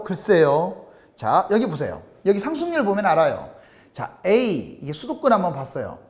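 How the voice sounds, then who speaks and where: A man giving solo commentary on housing prices over charts, emphatic and asking rhetorical questions. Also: sits high. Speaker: real estate commentator.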